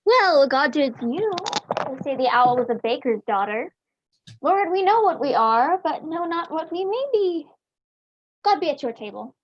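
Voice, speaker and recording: A high-pitched young noblewoman acted by a woman, unhinged by grief, drifts between snatches of song and Shakespearean verse. The livestream sound is muffled, with plain noise and clicks behind the voice. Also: sing-song, unhurried. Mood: distracted, singsong. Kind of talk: amateur dramatic reading of Shakespeare. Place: remote livestream from separate location. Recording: dull, noisy livestream call with clicks.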